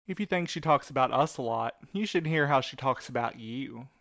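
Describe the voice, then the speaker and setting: A man's voice: mid-range voice, lively intonation, moderate pace, gravelly, fairly bright tone, no room sound, studio quality. A man playing a playful, teasing, dramatically squeamish courier in an audio drama. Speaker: voice actor.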